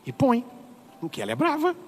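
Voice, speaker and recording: A middle-aged man with a Brazilian Portuguese accent, a priest preaching an animated, humorous sermon. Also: extremely high pitch, a little fast, slightly rough, in a large hall, faint music behind. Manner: animated, humorous, acts out voices. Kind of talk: lively sermon.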